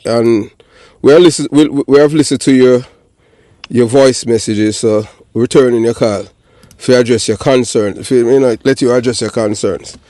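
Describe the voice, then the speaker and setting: A man's voice: medium pitch, normal speed, warm tone, no echo, studio quality. A man in his fifties with a Jamaican accent hosts a casual talk, speaking in an emphatic, repetitive way and checking that he is understood. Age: 50s. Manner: repetitive, emphatic, asks for confirmation. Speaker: online show host. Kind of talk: casual phone conversation and commentary.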